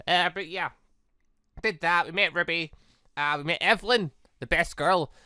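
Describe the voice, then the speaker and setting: A gaming video host doing rambling let's play commentary and reading a visual novel aloud, in an animated way. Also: mid-range voice, normal speed, dry recording, studio quality. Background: game music.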